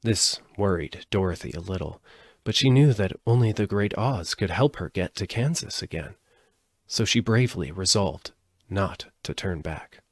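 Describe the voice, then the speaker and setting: A man's voice: deep voice, expressive, moderate pace, no echo, studio quality. A man narrating a storybook aloud as a live audiobook reader.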